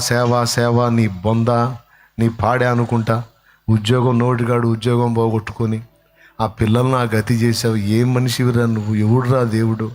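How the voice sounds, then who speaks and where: A man preaching, acting out a scornful male relative who taunts and scolds a believer, his voice climbing high as he jeers. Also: natural voice. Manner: taunting, scolding, rising to shouts.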